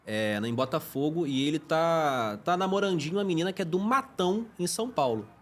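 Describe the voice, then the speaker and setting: A man in casual podcast chat, animated and slangy, telling stories and calling the others brother. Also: fairly high pitch, brisk. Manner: animated, slangy storyteller, calls others "irmão".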